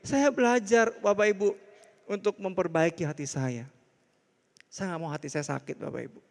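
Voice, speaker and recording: A man's voice: high voice, normal speed, gravelly. A middle-aged man, preaching a casual, jokey sermon as a pastor. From Indonesia. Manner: animated, conversational, jokey. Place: church hall. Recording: hall reverb.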